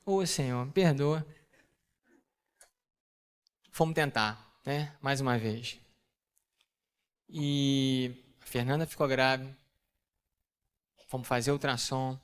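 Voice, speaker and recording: A man giving a sermon testimony to a church audience, telling a family story in an animated way and acting out the dialogue. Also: mid-range voice, takes it slowly, long pauses, clean tone.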